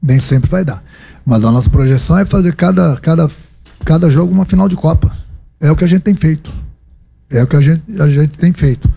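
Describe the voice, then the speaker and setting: A man's voice: a little high, fairly quick, vocal fry, warm tone, breathy edge. A Brazilian man, a football coach answering reporters at a press conference, emphatic and repeating his points with rhetorical questions. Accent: Brazilian Portuguese.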